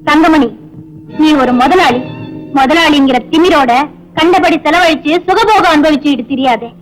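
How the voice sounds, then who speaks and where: An actress playing a patient, virtuous wife in a 1980s film, speaking in measured, earnest tones over music. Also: female voice, sits high, lightly acted, poor audio. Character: virtuous, patient young wife, calm moral adviser. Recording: film soundtrack with clear music.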